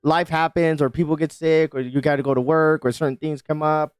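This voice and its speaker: Man, podcast co-host, casual chat, rambling, swears, smooth resonant voice, dry close sound. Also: a little high, steady tone, fairly quick, no echo, soft background music. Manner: loose and rambling, with frequent swearing and "you know what I mean". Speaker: father and husband.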